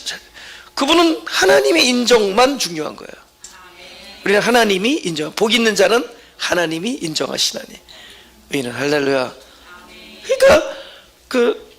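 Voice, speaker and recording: High, gravelly-voiced male pastor. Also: sharp tone. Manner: conversational, keeps checking in with the congregation. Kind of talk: Sunday sermon. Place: church worship service.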